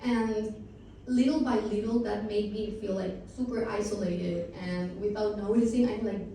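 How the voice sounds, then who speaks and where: A woman's voice: medium pitch, fairly even intonation, moderate pace, warm tone, a little hiss or hum. A woman, telling her personal story as a patient on a panel, chatty and full of fillers. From Costa Rica. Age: 20s. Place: conference hall. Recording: echoey hall from far off.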